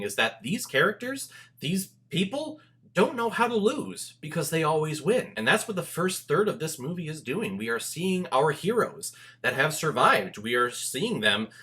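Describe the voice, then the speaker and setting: A man giving an enthusiastic movie review, gushing and emphatic, with dramatic pauses for effect. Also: on the high side, a bit bright. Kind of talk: enthusiastic video review commentary to camera.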